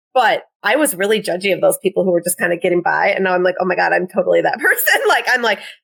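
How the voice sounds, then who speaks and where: Hardly pausing at all, a woman speaks at a very fast pace. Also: very even loudness. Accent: Midwestern. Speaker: podcast co-host. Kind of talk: casual chat.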